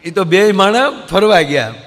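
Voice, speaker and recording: A man telling comic folk stories to a live audience, acting out his characters with quick voice shifts. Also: sits high, lively intonation, a bit bright. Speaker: folk comedian storyteller. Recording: hall reverb.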